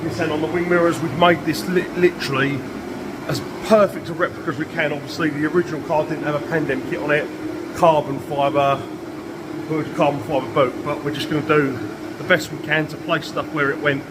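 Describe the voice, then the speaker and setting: A man with a croaky voice, talking loudly in a cold garage over a running heater. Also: a little high, little pitch movement, a little fast. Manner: raised, shouting over heater noise. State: croaky voice from flu.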